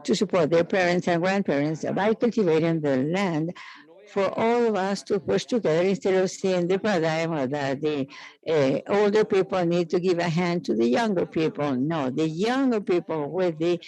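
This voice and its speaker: A man giving live interpreted conference speech in halting, piecemeal phrases with frequent hesitations. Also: high voice, a little mellow, rough recording.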